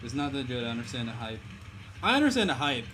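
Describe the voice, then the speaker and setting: A man's voice: mid-range voice, big pitch swings, fast, noisy background. A young man livestreaming while he draws viewers' characters, chatting loosely with his chat. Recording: music playing behind.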